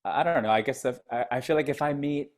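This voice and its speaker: A man with a soft voice, guesting on a podcast, talking hesitantly as he thinks aloud into a handheld mic. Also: mid-range voice, quick pace. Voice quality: soft, ASMR-like voice. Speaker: guest comedian. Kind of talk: casual chat. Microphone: handheld mic held to mouth.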